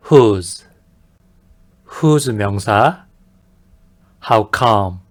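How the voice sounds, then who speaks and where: A man giving a scripted beginner English lesson in a measured, polite, explanatory manner. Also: medium pitch. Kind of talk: scripted instructional narration.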